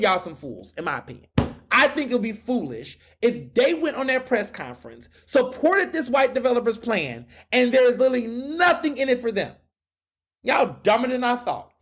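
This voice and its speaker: Ranting on his own podcast, this young Houston, Texas man fires off a sarcastic opinion piece full of rhetorical questions, his voice high and husky.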